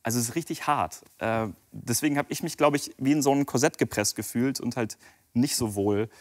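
A man's voice: mid-range voice, brisk. A man who works as a magician, chatting casually on a TV show and explaining a card trick step by step with self-deprecating humor. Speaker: magician guest.

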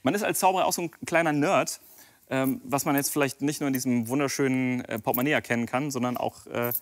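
A magician appears as a guest on a TV show, chatting casually in a mid-range voice with fairly even intonation. He talks fast, explaining a card trick step by step with self-deprecating humor.

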